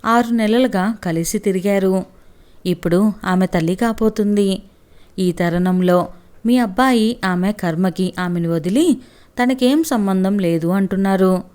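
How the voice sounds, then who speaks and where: A woman voicing a righteous young man who argues earnestly and forcefully on behalf of a wronged woman in a storybook reading. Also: mid-range voice, a little slow, lightly acted. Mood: pleading.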